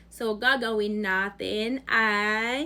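Very slow speech on a very clean recording with a silent background. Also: woman. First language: not Tagalog, learning it (speaking Tagalog). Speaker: vlogger. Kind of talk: cooking vlog. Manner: animated.

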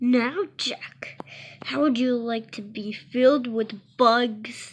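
A female-sounding put-on character voice sits high in pitch. It moves at a very slow pace. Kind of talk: comic overacting. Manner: menacing, gloating.

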